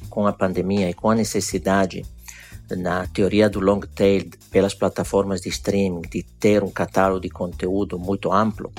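Italian accent guy, deep pitch, formal guest commentary, some music behind him. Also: gravelly. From Italy. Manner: formal, measured phrasing. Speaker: guest, audiovisual producer. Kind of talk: prepared spoken commentary in Portuguese.

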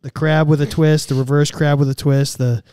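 A man with a fairly high, smooth voice chats as a podcast co-host. His delivery is casual and millennial, full of hedges and hyperbole, as he banters about exercise. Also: little pitch movement, moderate pace, warm tone, dry recording, studio quality.

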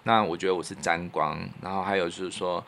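Low-voiced Taiwanese man chatting reflectively. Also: fairly even intonation, fast, fairly bright tone, a little hiss or hum. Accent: Taiwanese Mandarin. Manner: earnest, reflective, colloquial. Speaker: podcast co-host and radio professional. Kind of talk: casual conversational storytelling.

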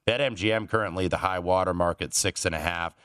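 A man giving conversational sports betting analysis in a measured way, with asides. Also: low voice, fairly even intonation, a bit bright, smooth, no room sound, studio quality.

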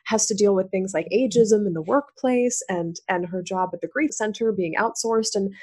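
A woman from the American South leads the interview in a bubbly, enthusiastic way, giggling often between questions. Her pitch sits at an average, middle level. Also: normal speed, warm tone. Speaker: podcast interviewer. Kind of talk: conversational interview.

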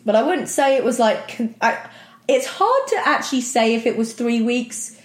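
Young woman, husky tired voice, chatty upbeat podcast host, echoey room. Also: a little high, lively intonation, normal speed. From Britain. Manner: chatty, upbeat, self-deprecating. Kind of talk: casual motivational podcast monologue.

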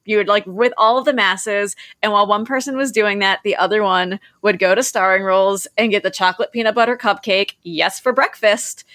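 A woman's voice: mid-range voice, fairly bright tone, no echo, studio quality. A woman co-hosting a podcast, telling a nostalgic story in a casual, chatty way. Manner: nostalgic storytelling, many "like" fillers. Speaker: podcast co-host.

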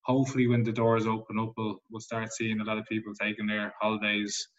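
Irish man, interviewer, lowish pitch, slightly dull call audio, conversational, loosely built questions. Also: monotone, fairly quick. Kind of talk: casual sports interview.

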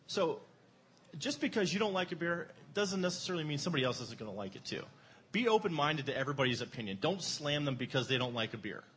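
A man's voice: on the high side, very animated, fast talker, a bit bright, a little hiss or hum. A man from Erie, co-hosting a beer show in casual chat, enthusiastic and jokey, poking fun at himself. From Erie, Pennsylvania. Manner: enthusiastic, jokey, self-deprecating.

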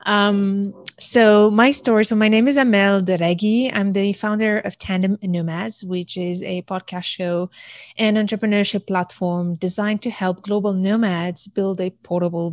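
A woman from Algeria, an entrepreneur and podcast guest, telling her story in an animated way and laughing often. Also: mid-range voice, dry recording. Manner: animated, laughs often, talks fast in bursts. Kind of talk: casual interview storytelling.

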